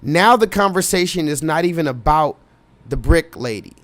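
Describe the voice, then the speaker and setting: A man's voice: a little high, expressive, normal speed, fairly bright tone, no room sound. A man hosting a live reaction stream, reading viewer comments aloud and pressing his chat with urgent, repetitive remarks. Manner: urgent, insistent, repeats himself, addresses chat directly.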